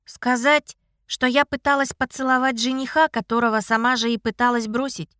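A woman narrating a novel in the first person, in a wry, lively, self-ironic way. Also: fairly high pitch, normal speed, no room sound, studio quality. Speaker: audiobook narrator.

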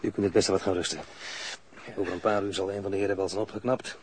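Stern police investigator, male actor, lowish voice, dry authority and formal phrasing. Radio drama, faint noise. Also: level tone, a little mellow, natural voice. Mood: calm, dry. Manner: formal, measured, insistent. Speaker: police interrogator. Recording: noisy archived radio drama recording.

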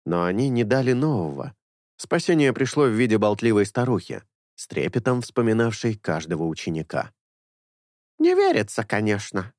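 A man narrating an audiobook in a measured storytelling manner. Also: fairly low pitch, lively intonation, a little mellow, no room sound, clean studio sound.

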